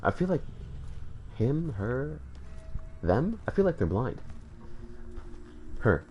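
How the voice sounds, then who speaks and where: A man's voice: medium pitch, very animated, takes it slowly, a little mellow, highs cut off, soft background music. A man with a slightly congested voice, joking and rambling to his viewers as he plays through a game. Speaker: gaming channel host. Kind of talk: casual let's-play commentary.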